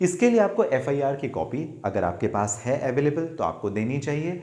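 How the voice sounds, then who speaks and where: There is audible room echo around a man whose dark, mellow tone carries lively intonation. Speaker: lawyer. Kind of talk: legal explainer. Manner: hesitant fillers.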